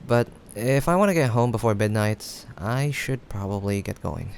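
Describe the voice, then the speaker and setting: A young man playing a playful, caring friend in a casual improvised audio roleplay, teasing yet reassuring, with hesitant pauses. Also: lowish voice, expressive, vocal fry. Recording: faint background noise, rain ambience. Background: rain sound effects.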